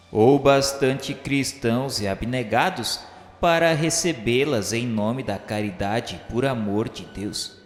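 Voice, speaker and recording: A man reads formal literary narration for a radio novel in a solemn, measured, declamatory manner. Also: medium pitch. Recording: echoey hall reverb, music behind. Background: music.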